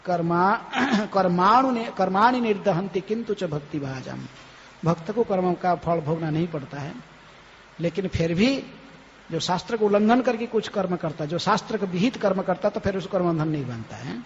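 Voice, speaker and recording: A man, a swami, giving a devotional lecture, often tagging his phrases with a questioning "hain?" and chanting scripture verses slowly. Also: high voice, animated. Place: temple hall. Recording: reverberant hall, dull lo-fi, faint noise.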